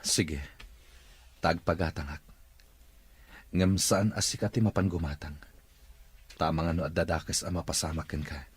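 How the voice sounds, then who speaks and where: An actor playing a male boss who is in therapy, in an Ilocano radio-style drama with a low, rough voice. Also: steady tone, unhurried, long pauses, no room sound, heavily acted. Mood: reserved. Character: male boss undergoing therapy, addressed as sir. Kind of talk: Ilocano audio drama acting.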